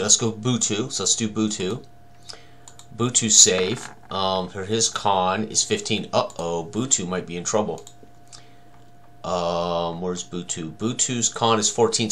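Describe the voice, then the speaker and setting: Low-voiced older man, halting tutorial delivery. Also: sharp tone, a little hiss or hum. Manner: halting, thinking aloud while working. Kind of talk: tutorial walkthrough of tabletop game combat.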